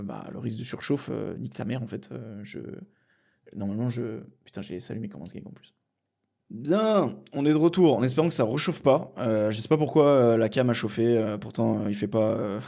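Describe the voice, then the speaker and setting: A man's voice: mid-range voice, gravelly, darkish tone. Young french dude talking to his podcast alone at home, rambly, lots of fillers, swears now and then. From France. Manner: rambling, many fillers and restarts, occasional swearing. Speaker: podcast host. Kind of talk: casual solo podcast chat. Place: small room at home.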